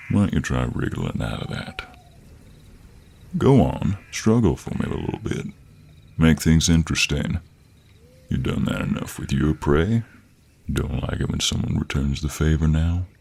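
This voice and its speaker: A man playing a cocky, flirtatious and menacing cowboy monster hunter in an audio roleplay, with a very deep, gravelly voice and a slow American cowboy drawl. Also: expressive, a little mellow, exaggerated voice. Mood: teasing, smug. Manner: slow, teasing drawl with terms of endearment. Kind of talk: intimate scripted audio roleplay.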